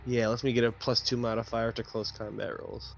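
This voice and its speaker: A man playing a tabletop roleplaying game, talking casually in a hesitant, halting way. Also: mid-range voice, flat delivery, vocal fry, a bit bright. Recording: dull lo-fi mic with music.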